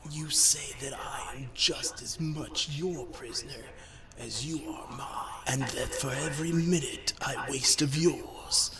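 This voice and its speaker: An evil talking skull from a video game, acted by a man, gloats in a drawn-out, theatrical monologue. The voice is breathy and pompous, sneering slowly from far off in heavy echo. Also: mid-range voice, natural voice. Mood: smug sarcasm. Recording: echoey, distant, crowd-like noise behind.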